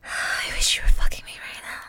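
A young woman performing an intimate roleplay, talking in a teasing, breathy manner and often dropping to a whisper close to the microphone. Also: a little fast.

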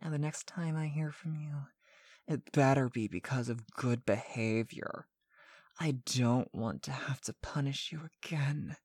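Her voice extremely low and a little mellow, a woman voices a domineering mistress in a scripted hypnotic monologue, sweet-sounding but stern. She commands deliberately, whispers some phrases breathily, and the recording is dry.

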